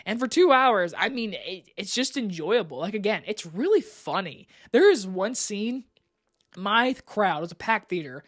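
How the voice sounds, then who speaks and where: A woman's voice: mid-range voice, big pitch swings, moderate pace. A woman giving a casual movie review in a stuffy, congested voice from allergies, rambling and chatty. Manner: rambling and chatty, with many "like" fillers.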